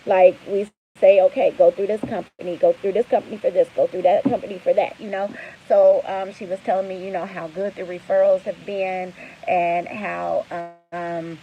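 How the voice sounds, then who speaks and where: A woman's voice: mid-range voice, flat delivery, moderate pace, phone-quality sound, a little hiss or hum. Weary woman venting to her viewers. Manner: candid, weary, rambling with many fillers. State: tired. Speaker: trucking business owner. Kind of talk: casual vlog to viewers.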